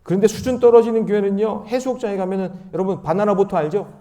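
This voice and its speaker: A male pastor preaching at a dawn prayer meeting. He is animated, swinging from loud emphasis to quiet asides, and leads the congregation in reading scripture aloud. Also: sits high, quick pace.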